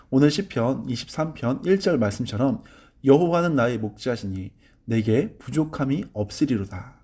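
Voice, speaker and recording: A man, a pastor, giving an early-morning sermon in an earnest, measured way, asking rhetorical questions. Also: medium pitch, dark tone, husky.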